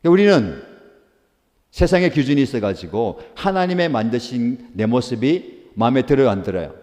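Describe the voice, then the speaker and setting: A man's voice: medium pitch, sing-song, normal speed, darkish tone, in a large hall. A man preaching a daily devotional sermon as pastor, earnestly asking rhetorical questions and answering them himself.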